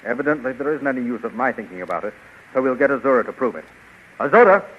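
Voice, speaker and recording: An earnest pleading hero. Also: male voice, mid-range voice, animated, fast, slightly rough. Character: earnest heroic young space adventurer. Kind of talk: 1930s radio acting. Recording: dull lo-fi 1930s radio recording.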